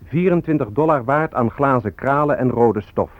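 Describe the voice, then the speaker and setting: An actor playing a defiant, sardonic Native American activist spokesman in a radio drama, speaking in measured, ironic proclamations. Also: medium pitch, no room sound, phone-quality sound, close to an everyday voice. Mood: proud, firm. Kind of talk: radio drama acting, declamatory.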